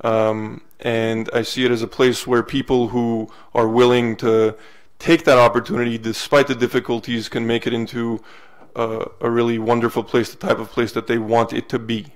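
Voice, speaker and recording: A man's voice: medium pitch, little pitch movement, moderate pace. A young man, originally from California, introducing himself on a panel and joking lightly. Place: university lecture hall panel table.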